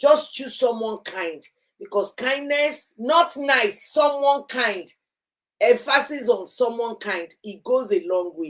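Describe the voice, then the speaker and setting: With a Nigerian accent, a woman speaks at a very slow pace, her high voice carrying lively intonation. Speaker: celebrity gossip vlogger. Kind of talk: casual chat.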